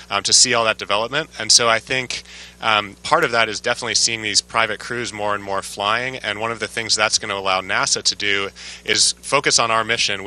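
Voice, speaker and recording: A man's voice: fairly low pitch, bright, forceful tone, rough recording. A man, an astronaut, giving enthusiastic explanatory answers in an interview. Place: aboard a space station.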